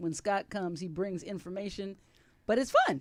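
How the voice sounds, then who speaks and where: This is a very clean recording with a silent background. The woman's voice sits at a medium pitch. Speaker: radio show co-host. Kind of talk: casual talk show chat. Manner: loud; trying to speak calmly now.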